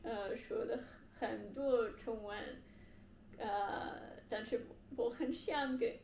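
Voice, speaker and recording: Sitting on a living-room sofa against a bare wall, this young non-native Mandarin speaker with a foreign accent chats to camera for her language-learner vlog. Her fairly high, darkish voice halts as she hunts for words, and the recording is echoey with a faint hiss.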